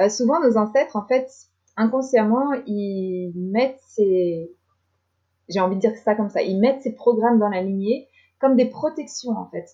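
A woman's fairly high voice with ordinary pitch variation, a fairly slow pace and long, frequent pauses. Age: 40s. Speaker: theta healing practitioner. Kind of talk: casual interview chat.

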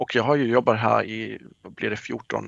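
Here a man is speaking. His pace is very slow. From southern Germany. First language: German (speaking Swedish). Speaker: hospital physician. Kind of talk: interview. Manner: halting.

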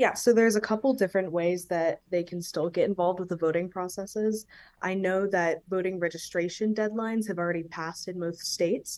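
In a plain, everyday voice, a woman with an American accent speaks fairly quickly at a medium pitch, with fairly even intonation and hardly any pauses. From US, Georgia. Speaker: student voter registration volunteer. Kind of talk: casual interview. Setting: video call.

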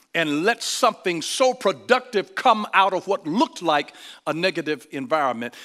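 On a very clean recording with a silent background, a man with an American accent speaks at a fairly slow pace and a high pitch, with very wide pitch swings and a bright, sharp tone. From US state of Georgia. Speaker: pastor. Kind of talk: sermon. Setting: church.

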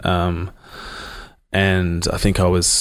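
Speaking in a flat monotone, a man with an Australian accent has a very deep, low pitch. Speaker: retired professional rugby player. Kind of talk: interview. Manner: halting.

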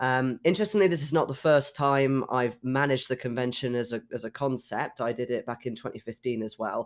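Here is a man with a normal speaking voice at medium pitch and ordinary pitch variation. He talks at a fairly quick pace with hardly any pauses, on a very clean recording with a silent background. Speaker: online charity convention organizer. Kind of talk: podcast interview.

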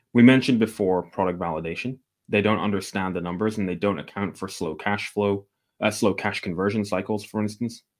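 In a Scottish accent, a man talks at a fairly quick pace with fairly low pitch and fairly even intonation on a very clean recording with a silent background. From Northeast Scotland (Aberdeen). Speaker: e-commerce entrepreneur and author. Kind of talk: casual interview.

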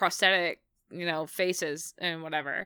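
In a very clean recording with a silent background, a woman speaks with an American accent. Her tone is bright and sharp, and the sound is dry and close with no echo. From US South. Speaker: podcast co-host. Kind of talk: casual chat.

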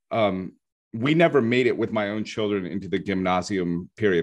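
The speaker is a man with a normal speaking voice and ordinary pitch variation. He talks at a moderate pace over a quiet background. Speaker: Greek and Latin teacher, podcast co-host. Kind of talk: casual podcast chat.

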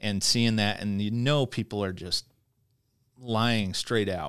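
A man with an American accent has a normal speaking voice with fairly even intonation and a moderate pace. The recording is very clean, with a silent background. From upstate New York. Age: 40s. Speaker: podcast guest, former Marine. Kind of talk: casual chat.

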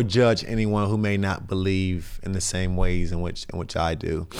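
A man's fairly low voice with a Southern US accent, in a very clean recording against a silent background. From US South. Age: 30s. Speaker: PhD student and university equity administrator. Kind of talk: interview conversation. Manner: many filler words and repetitions.

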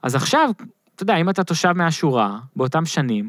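On a very clean recording with a silent background, a man with a fairly high pitch talks at a fairly quick pace with very wide pitch swings. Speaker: sociologist, postdoctoral researcher. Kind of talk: casual interview.

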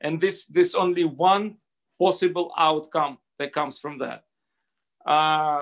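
A man talks at a fairly slow pace with a Russian accent. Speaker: think tank researcher. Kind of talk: panel remarks. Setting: video call.

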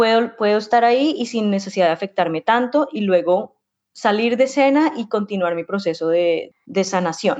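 A woman speaks at a fairly high pitch with lively intonation. Her pace is moderate. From Colombia. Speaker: opera singer. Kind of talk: interview. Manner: halting, frequent word repetitions.

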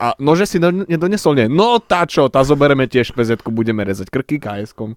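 Recorded with a dry, close sound and no echo, a man speaks at a moderate pace with hardly any pauses, his fairly high voice making very wide pitch swings. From Czech Republic (Hulín), moved to Slovakia at ten. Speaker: podcast sound technician and musician. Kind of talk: casual chat.

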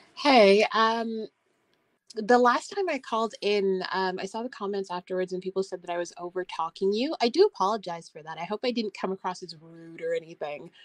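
In an unremarkable speaking voice, a woman talks fairly quickly at a medium pitch with ordinary pitch variation and big swings in loudness, in a dry, close recording with no echo. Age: 20s. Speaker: caller. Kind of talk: casual chat. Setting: call-in to live stream.

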